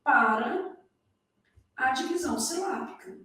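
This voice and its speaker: A woman's voice: high voice, expressive, unhurried, pushed and bright. Brazilian woman, grammar teacher, rhetorical questions, voice from a distance. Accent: Brazilian Portuguese. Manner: explains in a didactic tone, asks the class rhetorical questions. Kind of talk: recorded lecture for exam candidates. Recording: echoey room, voice far from the mic.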